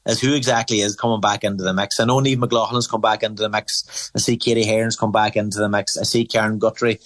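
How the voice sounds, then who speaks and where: A man with a Donegal accent and a fairly low voice gives his take on sport. He talks conversationally in long, colloquial, wandering sentences, like a reporter weighing things up. The sound is dry, with little room to it. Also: flat delivery, quick pace, fairly bright tone, dry recording. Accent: Donegal Irish.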